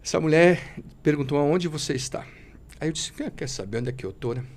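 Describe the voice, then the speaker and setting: A man's voice: fairly high pitch, lively intonation, fairly quick, darkish tone. A man giving an emotional personal testimony as a podcast guest, speaking fervently and in a preachy way, often calling the listener brother.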